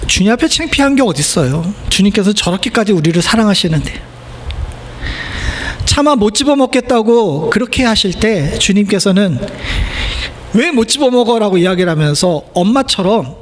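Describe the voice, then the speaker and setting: High-voiced Korean pastor preaching conversationally. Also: male voice, slight background noise. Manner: conversational preaching with rhetorical questions to the congregation. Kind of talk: sermon. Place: church sanctuary.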